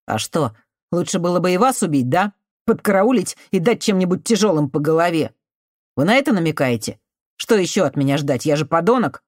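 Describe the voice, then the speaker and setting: A woman reading an audiobook voices a desperate young man who answers with bitter sarcasm and often breaks into shouting. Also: lowish voice, animated, brisk, no echo, studio quality.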